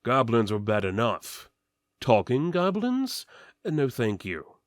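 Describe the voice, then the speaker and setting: A man with a mid-range voice gives a slow, mock-serious dramatic reading of fantasy fiction, narrating theatrically while keeping a straight face. He delivers absurd lines with theatrical deadpan, and the studio-quality recording has no echo.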